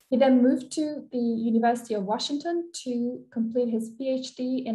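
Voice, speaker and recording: A dark, mellow tone at a moderate pace, with ordinary pitch variation and a quiet background. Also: woman. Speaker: webinar moderator. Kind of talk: formal speaker introduction. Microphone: webcam.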